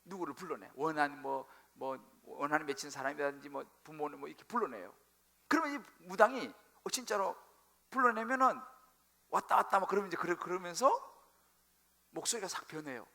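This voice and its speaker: A male pastor preaching a sermon, telling the story with animated, acted-out quotes. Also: a little high, a little fast, gravelly. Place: church sanctuary.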